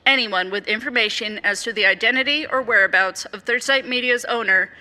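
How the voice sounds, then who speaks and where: An actress playing an earnest woman politician in an audio drama, speaking in a formal, measured, deliberate way. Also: fairly high pitch, bright, forceful tone, low-quality recording. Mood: composed, firm. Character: measured, earnest woman mayoral candidate giving official statements.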